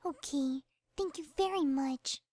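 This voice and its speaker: A woman's voice: high voice, unhurried, background noise. Woman voicing Fluttershy, a timid stammering pony. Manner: shy, stammering, soft-spoken. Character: Fluttershy, timid gentle young mare.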